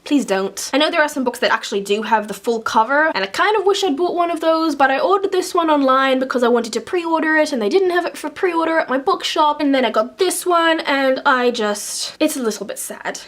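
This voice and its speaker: Bubbly high-voiced young woman vlogger. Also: expressive, brisk, hardly any pauses, fairly bright tone. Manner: chatty and gushing, jumps into playful mock voices. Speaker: book vlogger. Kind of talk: casual book review to camera.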